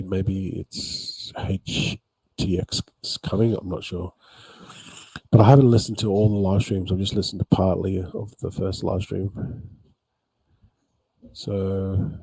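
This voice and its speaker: Man, casual rambling vlog talk, husky dark voice, dry close sound, lots of ums and restarts. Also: deep voice, little pitch movement, unhurried, dry recording, rough recording. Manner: rambling, repeats words, many ums. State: tired after a late night. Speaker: crypto vlogger.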